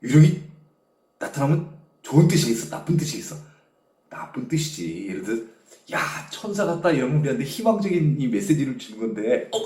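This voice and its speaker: A male pastor giving an animated sermon, often prompting listeners with short questions. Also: mid-range voice, brisk. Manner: animated storytelling, constant "eh?" prompts to the audience. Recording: echoey room.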